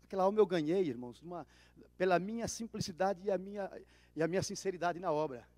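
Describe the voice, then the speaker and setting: A man with a Brazilian Portuguese accent preaching a sermon as pastor, telling a story with dramatic swings between loud cries and hushed asides. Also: sits high, fast talker. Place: church. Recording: reverberant church hall.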